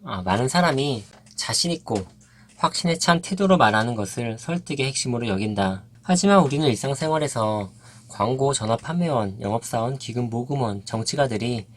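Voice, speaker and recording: A man narrating a nonfiction book in an even, measured reading voice. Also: mid-range voice. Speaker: audiobook narrator.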